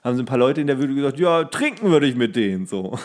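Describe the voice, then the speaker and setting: A man's voice: mid-range voice, very animated, fast, a little mellow. A man co-hosting a podcast, chatting casually and humorously in a colloquial, rambling way with mock-strict asides. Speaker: podcast co-host.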